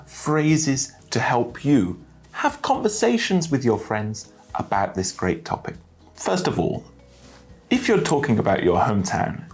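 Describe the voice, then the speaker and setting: A man teaching a spoken English lesson with enthusiasm, praising each useful phrase and speaking clearly and deliberately. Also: medium pitch.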